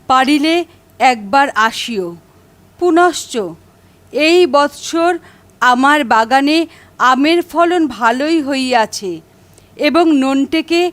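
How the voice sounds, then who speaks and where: A woman playing an affectionate aunt reading a letter in a formal, measured way for a cartoon. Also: high-pitched, a bit bright. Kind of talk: children's cartoon voice acting.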